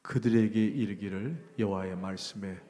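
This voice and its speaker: A male pastor delivers a lively sermon to his congregation, his voice falling to breathy whispers and then climbing to loud, forceful peaks. He asks them questions and mimics the complaints of grumbling believers. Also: lowish voice, moderate pace. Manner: swings from hushed whispers to loud shouted emphasis; acts out grumbling voices of churchgoers.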